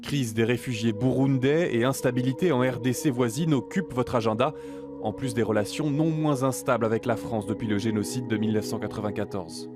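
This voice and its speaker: A man's voice: medium pitch, a little fast. A man giving polished, scripted narration for a documentary profile. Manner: polished, even delivery. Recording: music bed behind.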